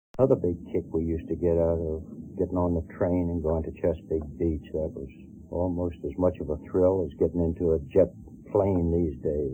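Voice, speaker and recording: His voice is very deep and low, with fairly even intonation. The man keeps a moderate pace. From Washington, D.C. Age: 60s. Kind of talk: oral history reminiscence. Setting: home tape recording.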